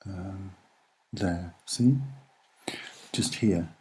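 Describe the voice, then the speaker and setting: A soft-spoken man with a husky voice, giving a casual, musing and hesitant commentary as he explains what he sees. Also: low voice, extremely slow. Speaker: video narrator.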